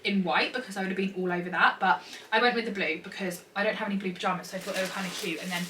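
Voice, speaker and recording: Young British female vlogger, bubbly and gushing, rapid casual chatter, slightly noisy recording. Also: medium pitch, steady tone. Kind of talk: casual chatty vlog to camera. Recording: distant mic, faint background noise.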